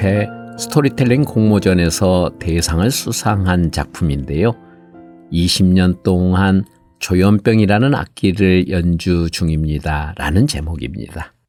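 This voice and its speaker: Over music in the background, a man with a very deep, low pitch speaks at a very slow pace with lively intonation. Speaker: audiobook narrator. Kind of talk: essay reading.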